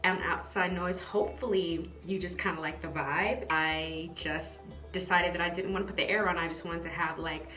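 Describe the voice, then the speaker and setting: A woman from the southern US reviews products in a casual, playful chat. Her voice is bright and crisp-edged, with a bubbly manner. It is recorded in a roomy home space with faint music behind her. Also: fairly low pitch, fairly even intonation, moderate pace. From southern United States. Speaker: skincare vlogger and product reviewer.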